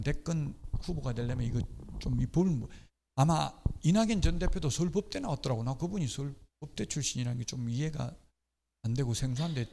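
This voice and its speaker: A middle-aged man teaches real estate law in an exam-prep lecture. His voice sits a little high, and he explains patiently with offhand personal remarks. The recording carries a long reverb, as in a lecture hall. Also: creaky, warm tone, slight background noise. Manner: explanatory, with casual personal asides.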